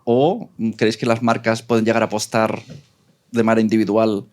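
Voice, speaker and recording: A man's voice: fairly low pitch, flat delivery, brisk. Man moderating an informal live panel. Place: live event with audience.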